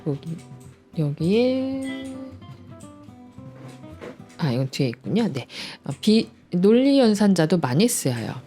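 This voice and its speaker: A coding instructor records her screen for a programming lesson at home, her mid-range voice very animated yet dark in tone. She speaks slowly with frequent pauses, playful and cheerful, tossing in sound effects like "짠짠짠" while chatting and patiently walking through each step over soft background music.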